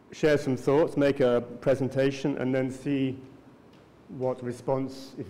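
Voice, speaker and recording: In an English accent, a man at medium pitch speaks at a fairly slow pace with monotone, flat intonation, and audible room echo fills the recording. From England. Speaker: economist. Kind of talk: lecture.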